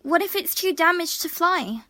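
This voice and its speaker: Woman playing an earnest, bright, high-voiced young schemer. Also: lively intonation, normal speed, dry recording, clean studio sound, full character voice. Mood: wondering. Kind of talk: audio drama dialogue.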